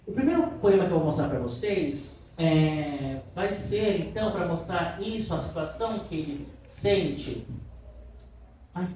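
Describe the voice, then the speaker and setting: A high-voiced man gives a lively literature lecture to a class, often pausing to ask whether everyone is following. He is heard from a distance in a very echoey room, with faint noise underneath. His tone toward the students is affectionate. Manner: keeps checking in with students, asking questions. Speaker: literature teacher. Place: classroom in a cultural center.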